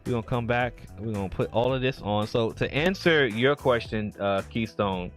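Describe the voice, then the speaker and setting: A man's voice: mid-range voice, normal speed, faint music behind. Casual rambling man live streaming tech talk. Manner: loose and rambling, reads chat aloud and answers viewers. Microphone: streaming mic with audio filters.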